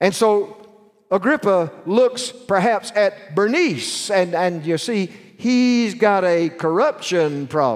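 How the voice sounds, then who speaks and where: A man's high-pitched voice at a very slow pace. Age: 80s+. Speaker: pastor. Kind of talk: sermon. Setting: church.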